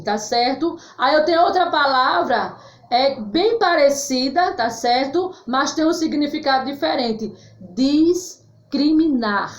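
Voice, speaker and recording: Slow, high-voiced woman teaching children. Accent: Brazilian Portuguese. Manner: slow, clearly spelled-out words with frequent "tá certo?" check-ins; affectionate, calls pupils "meus amores". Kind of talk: grammar lesson for children. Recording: echoey room, slightly dull sound.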